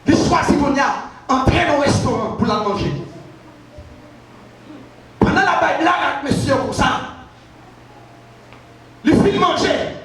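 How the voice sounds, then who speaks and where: A man preaching a sermon, repetitive and emphatic, shouting out questions to the congregation. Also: very high voice, expressive, unhurried, pauses often, a little hiss or hum. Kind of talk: shouted call-and-response sermon. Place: church hall. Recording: very echoey from far off, crowd behind.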